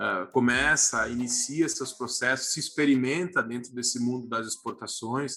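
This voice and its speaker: A man talks at medium pitch and moderate pace with fairly even intonation and hardly any pauses. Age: 30s. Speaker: foreign trade consultant. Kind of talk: casual chat. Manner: halting.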